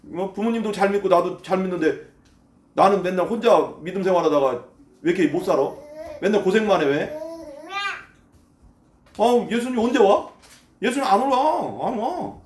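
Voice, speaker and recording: A man's voice: sits high, brisk, natural voice. A man voicing a sarcastic scoffer who taunts believers with mocking questions. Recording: echoey church hall.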